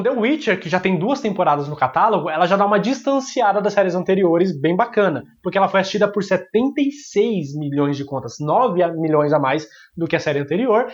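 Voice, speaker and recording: A man's voice: sits high, dull audio. A man from Brazil hosting a casual video, chatty and joking, with slang like "mano" and "cara". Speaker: YouTube host ranking series.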